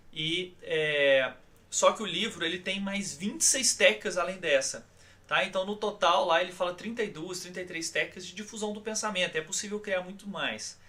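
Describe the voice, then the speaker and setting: Bright-voiced Brazilian man teaching calmly. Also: on the high side. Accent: Brazilian Portuguese. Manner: calm, guiding, often checks in with listeners. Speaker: course instructor. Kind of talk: recorded online course lesson.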